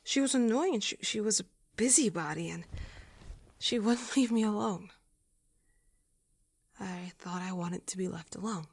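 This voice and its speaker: A woman playing a gruff, weakened female space courier in an audio drama, terse, grumbling and strained. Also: mid-range voice, measured pace, pauses often. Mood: irritated, wistful.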